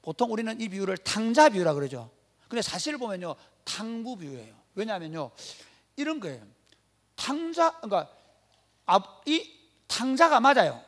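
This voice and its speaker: Emphatic high-voiced pastor. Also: male voice, big pitch swings, normal speed, fairly bright tone. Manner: emphatic, blunt, asks the congregation rhetorical questions. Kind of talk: sermon. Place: church.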